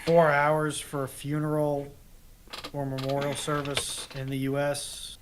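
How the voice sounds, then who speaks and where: Wry man, slightly high voice. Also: monotone, a little slow, background noise. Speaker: live stream panelist. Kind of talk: casual banter.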